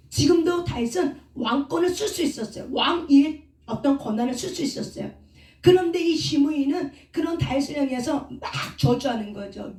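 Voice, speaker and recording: A woman preaches a sermon, firing rhetorical questions at her listeners and answering them herself. Her voice is fairly high and mellow. The recording is roomy, with the mic well away from her. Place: prayer house. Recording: echoey room from a distant mic.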